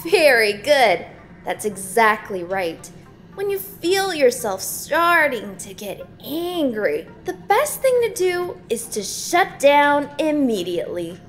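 A saccharine, domineering counselor lectures teens in an audio drama. Her high voice swings widely as she speaks slowly and emphatically, with faint music behind her. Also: very animated, fairly bright tone, heavily acted. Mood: patronizing, insistent. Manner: patronizing, emphatic schoolteacher delivery.

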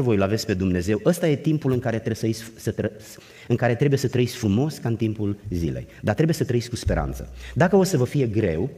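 A man's voice: mid-range voice, mellow. A man preaching a wedding sermon in a church, exhorting the couple directly with rhetorical questions. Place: church sanctuary. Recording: echoey church hall with long reverb.

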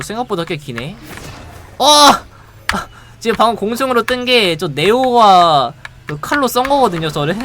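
A game streamer giving live gameplay commentary in an excitable, playful way, reacting quickly and laughing often. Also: medium pitch, noisy background.

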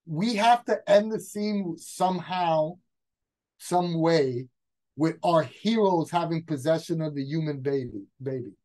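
A guest game master brainstorms a game scenario in casual chat, talking excitedly and restarting often. His voice is on the high side and unhurried. The recording is rough.

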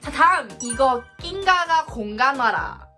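A young woman with a Thai accent, a native Thai speaker, chatting through a quiz vlog indoors. She exclaims loudly when she gets an answer right or wrong. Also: high-pitched, expressive, unhurried, over music. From Thailand. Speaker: vlogger. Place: indoors in a small room.

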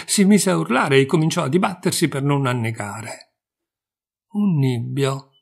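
A man narrates a set of old fables in a calm, measured way, giving each moral plainly. His voice sits at an ordinary middle pitch for a man. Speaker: reader of fables.

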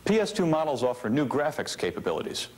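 A man's voice: mid-range voice, very animated, quick pace. A man in his thirties giving a scripted, methodical training film presentation as an instructor on a vintage video soundtrack. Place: indoor studio set with office equipment. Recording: faint noise, vintage 1980s video soundtrack.

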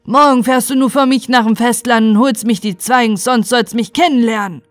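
A woman's voice: a little high, lively intonation, moderate pace, no echo, voice pushed up, lightly acted. A woman voicing a grumpy, greedy old male carpenter who talks in broken dialect grammar. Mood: scolding.

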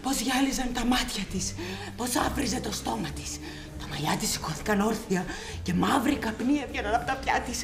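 A woman's voice: a little high, lively intonation, creaky. An actress playing a young shop clerk who tells her troubles in a tearful, melodramatic way. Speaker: shop assistant. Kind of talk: television comedy acting. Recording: roomy set with music behind.

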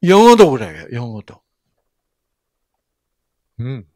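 A man's voice: mid-range voice, very animated, slow, dark tone, dry recording, clean studio sound. An older man giving a Bible lecture in storytelling style, acting out voices and asking his audience questions.

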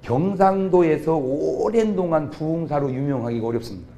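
A middle-aged man, a pastor, preaching a comic revival sermon, jumping from quiet asides to sudden shouts. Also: on the high side, normal speed, slight background noise. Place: church revival meeting.

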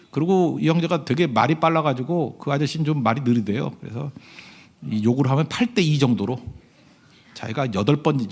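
A male pastor giving a conversational sermon. He tells stories, keeps asking the congregation to agree, and swings from loud emphasis to hushed asides. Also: on the high side. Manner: conversational storytelling, often asking the congregation "right?".

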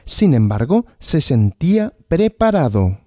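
A man teaching Spanish through a story, asking questions and answering them himself, repeating each answer slowly. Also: on the high side, very animated, dark tone, no room sound, clean studio sound. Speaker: Spanish teacher, podcast host.

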